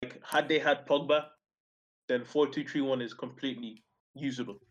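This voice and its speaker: A man with a mid-pitched voice on slightly muffled, lo-fi audio. He explains his point in a halting, repetitive way during informal football talk. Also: fairly even intonation. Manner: hesitant, explanatory, repeating himself. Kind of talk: casual football discussion.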